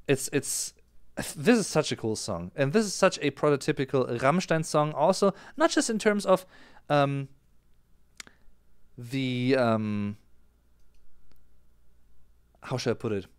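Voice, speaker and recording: Animated German-accented man. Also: medium pitch, takes it slowly, long pauses, dry recording, studio quality. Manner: animated, gesturing with his hands. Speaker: music reaction streamer. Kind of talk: casual explanatory chat. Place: small indoor room. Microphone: headset.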